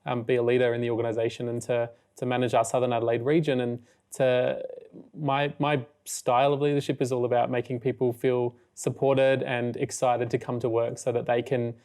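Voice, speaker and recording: A man in a mid-range voice, talking as a guest on an interview show. He is upbeat and playful, and his sentences run on quickly from one thought to the next. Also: mid-range voice, level tone, a little mellow. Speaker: guest, regional manager and radio presenter. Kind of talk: casual interview chat.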